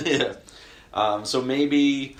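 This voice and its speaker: Young man, podcast co-host, casual sports talk, rambling, hesitant, middle pitch. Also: lively intonation, extremely slow, a bit bright. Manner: rambling, hesitant with many fillers.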